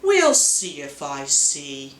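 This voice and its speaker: A droll, self-satisfied storybook cat, voiced by a woman, drawls its words slowly and reluctantly. The room has a noticeable echo. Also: sits low, wildly swooping pitch, fairly bright tone, pitched below the performer's own voice, full character voice. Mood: droll, doubtful. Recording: roomy echo, faint noise.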